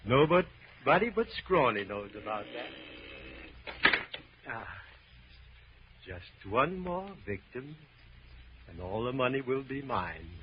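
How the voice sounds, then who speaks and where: An actor playing a wheedling, murderous crook with an oily, theatrical delivery in a 1940s radio crime drama. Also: male voice, mid-range voice. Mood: gloating. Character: wheedling, sly, murderous double-crossing male crook. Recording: muffled, noisy old radio recording.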